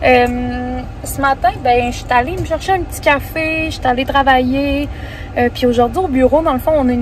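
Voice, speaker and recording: Over noticeable background noise, the speaker goes at a fairly quick pace with ordinary pitch variation. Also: woman. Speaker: vlogger. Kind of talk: casual vlog monologue. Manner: fast; animated.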